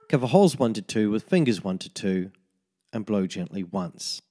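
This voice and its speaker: A man narrating a tin whistle lesson as a voice-over, giving slow, methodical step-by-step fingering instructions. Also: lowish voice, darkish tone. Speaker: music teacher.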